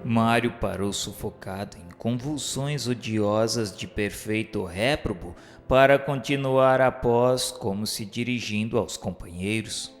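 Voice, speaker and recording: A man's voice: fairly low pitch, a little slow, few pauses, close to an everyday voice. An actor playing a sardonic dead man who recounts his afterlife in theatrical, literary radio novel style. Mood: grave. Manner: theatrical, mocking, literary diction. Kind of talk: dramatized first-person radio novel narration. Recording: long hall reverb, music underneath.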